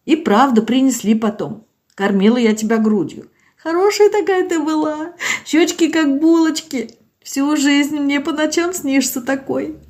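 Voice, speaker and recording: A woman's voice: sits high, steady tone, a little slow, darkish tone, pitched above the performer's own voice. A woman voicing a tearful older village woman who talks in a sing-song, folksy way and sobs as she speaks.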